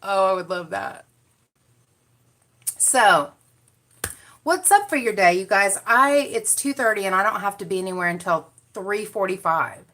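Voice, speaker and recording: Her voice is medium in pitch with a fairly bright tone as she talks straight to her audience during a makeup livestream. She keeps the chat casual while working on her look.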